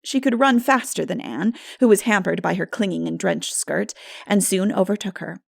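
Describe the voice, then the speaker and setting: A woman reading literary narration as an audiobook narrator, in an expressive, measured storytelling manner. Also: medium pitch, creaky, no echo, clean studio sound.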